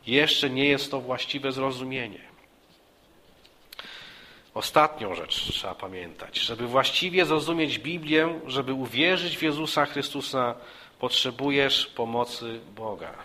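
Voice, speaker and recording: A male preacher delivers a sermon in a bright, forceful voice. He speaks earnestly, restarting words and repeating phrases as he goes. His voice rises for emphasis, then sinks low and soft. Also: steady tone, moderate pace.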